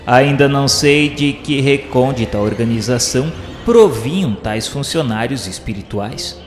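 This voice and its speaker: A man's voice: medium pitch, lively intonation, measured pace, natural voice. A man playing an earnest spirit pupil who narrates a radio drama in a formal, solemn, literary manner. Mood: solemn, awed. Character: earnest male pupil recounting journey through spirit underworld. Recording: echoey, long reverb with music behind.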